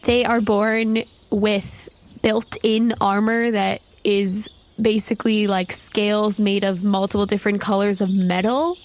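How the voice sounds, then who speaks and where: A woman's voice: medium pitch, little pitch movement, a little slow. A woman narrating a tabletop roleplaying game as game master, describing scenes in a conversational, improvised way.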